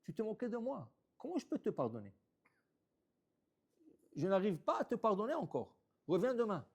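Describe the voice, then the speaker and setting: A hushed, grave old rabbi, hurt and hesitant to forgive, as a preacher puts him on while telling a story. His voice sits lower and softer than the storyteller's own, with a gravelly rasp and a lively rise and fall. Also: moderate pace, full character voice. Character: wounded elderly rabbi, hurt, slow to forgive.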